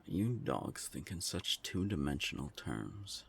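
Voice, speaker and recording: A man voicing a deep, creaky sardonic vampire envoy. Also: sing-song, a little slow, fairly bright tone, full character voice. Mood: condescending. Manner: sardonic, taunting, formal phrasing. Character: sardonic non-binary vampire council envoy, smug and taunting. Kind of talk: scripted audio drama acting.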